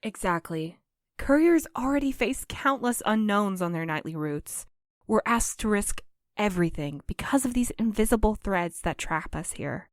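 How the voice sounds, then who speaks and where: A woman's voice: medium pitch, animated, moderate pace, no room sound, clean studio sound, natural voice. A woman playing an earnest, reserved courier in an audio drama, choosing her words carefully and diplomatically. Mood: earnest, pleading. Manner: careful, formal, conciliatory. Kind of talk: audio fiction acting.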